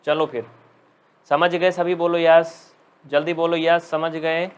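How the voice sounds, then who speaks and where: Higher-pitched man teaching math, scolding. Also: level tone, takes it slowly, clean tone, lo-fi sound. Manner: scolding, teasing students, reading out commenters' names. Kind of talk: live online class lesson.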